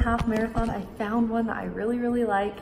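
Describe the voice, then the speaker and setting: Light background noise sits under the recording. The speaker is a woman. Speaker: lifestyle vlogger and mother. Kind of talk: casual vlog to camera. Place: gym. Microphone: phone near.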